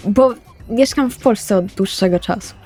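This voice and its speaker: A harried young woman, played by a female roleplayer in a horror game. She speaks in a medium-pitched voice, hesitant and evasive yet urgent and polite. Faint music sits underneath. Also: measured pace, warm tone, lightly acted. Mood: evasive, hurried. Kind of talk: improvised tabletop roleplay acting.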